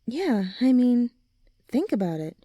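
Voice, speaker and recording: In an ASMR audio drama, a woman plays a supportive teenage girl, chatting informally like a caring best friend in a mellow, relaxed voice on the high side, a little slow. She's gentle and reassuring, often sighing or laughing softly. The recording is close, dry, echo-free and lo-fi.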